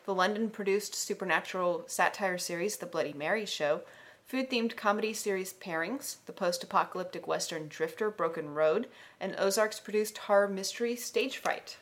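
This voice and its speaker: A woman's voice: mid-range voice, moderate pace. A woman co-hosting a podcast, chatting casually in a playful, teasing way. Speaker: podcast co-host.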